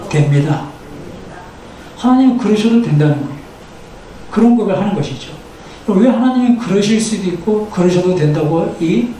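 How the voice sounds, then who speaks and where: A male pastor preaches to his congregation, posing rhetorical questions and having them repeat lines back to him. His voice sits high and mellow. It rings through a reverberant church hall, picked up from some distance with a faint hum of room noise. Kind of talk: sermon. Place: church sanctuary. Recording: echoey church hall, from the mic.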